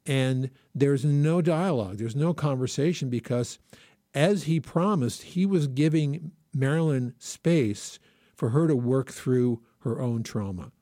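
A man talking casually on a podcast, circling back and restarting his sentences. His voice sits at an ordinary middle pitch. The sound is close and dry, with no room around it. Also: a little slow, warm tone, no room sound. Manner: rambling, restarts often. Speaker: podcast co-host. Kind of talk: casual chat.

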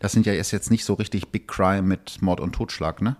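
A man's voice: deep voice, fairly quick, a little mellow. Chatty man telling anecdotes. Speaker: podcast guest. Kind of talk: casual chat.

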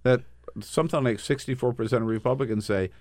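A man hosting a casual political discussion, talking in an animated way and often tagging his points with "right?". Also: medium pitch, quick pace, no echo. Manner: animated, frequent "right?" tags. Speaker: host.

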